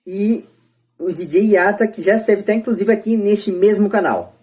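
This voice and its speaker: A woman's voice: mid-range voice, normal speed, mellow. A Brazilian woman hosting a podcast debate, speaking in an emphatic, repetitive, opinionated way. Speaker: podcast host.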